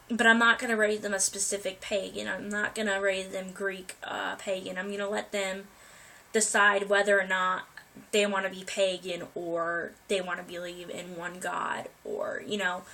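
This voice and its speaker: A woman's voice: medium pitch, vocal fry, pushed and bright. A young woman vlogger getting over a cold, chatting casually to her viewers with many ums and restarts. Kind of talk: casual life update to viewers.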